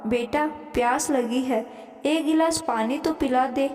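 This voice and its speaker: A woman voicing a patient, soft-spoken aging mother. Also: sits high, a little slow, soft background music. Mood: gentle. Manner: gentle, pleading. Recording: echoey room with long reverb.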